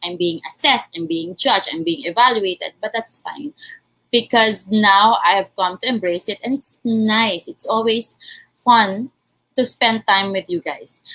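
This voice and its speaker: Her bright, sharp voice has a dry, close sound with no echo as the woman speaks at a fairly slow pace. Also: fairly high pitch for a woman, ordinary pitch variation. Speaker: teacher and workshop speaker. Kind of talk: online teacher training workshop. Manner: code-switching English and Tagalog.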